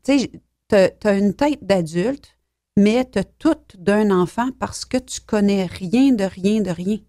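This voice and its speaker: A woman from Belgium telling her life story as an interview guest, soft-spoken and hesitant, sometimes dropping almost to a whisper. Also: medium pitch, slow pace, no room sound, studio quality. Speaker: author guest. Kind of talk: personal testimony in an interview.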